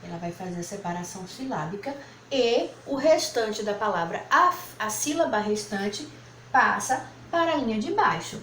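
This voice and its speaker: A woman's voice: medium pitch, expressive, normal speed, fairly bright tone. A woman teaching a lesson at a board, patiently spelling out words syllable by syllable. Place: room with whiteboard. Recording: echoey room, faint background noise.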